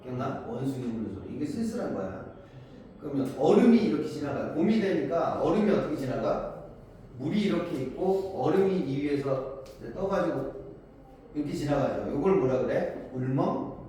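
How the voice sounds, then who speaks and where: A man with a slightly high, warm, expressive voice teaches a class on Korean poetry at a moderate pace. He explains the poems by asking his students questions and then answering them himself. The recording is distant, in an echoey room with faint noise.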